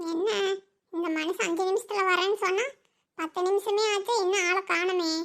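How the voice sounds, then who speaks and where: A woman puts on a cartoonish character voice at an extremely high pitch. She goes at a fairly slow pace with fairly even intonation. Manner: chatty, homely, sharp-tongued.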